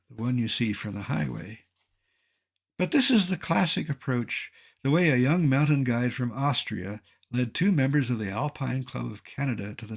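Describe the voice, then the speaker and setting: A man in his seventies from Colorado, a naturalist giving an illustrated lecture with dry, wry humor and a measured delivery. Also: medium pitch, vocal fry, slightly rough. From Colorado, United States. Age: 70s.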